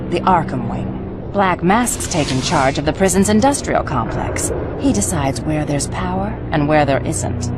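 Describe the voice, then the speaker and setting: Coy female thief, an actress, low and teasing, flirts while she gives information. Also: lightly acted. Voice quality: teasing, purring. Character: sly flirtatious female cat burglar. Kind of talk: video game cutscene acting.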